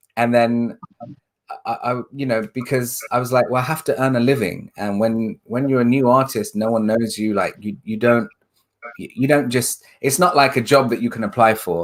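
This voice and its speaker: Here a man talks with a strong English accent and ordinary pitch variation. The recording is very clean, with a silent background. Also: medium pitch for a man, moderate pace. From England. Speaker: singer. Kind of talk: interview. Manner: halting.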